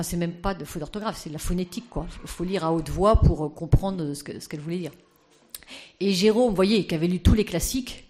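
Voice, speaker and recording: A woman's voice: lowish voice, a little mellow. A woman giving an anecdotal conference talk as postulator of a sainthood cause, chatty and full of fillers.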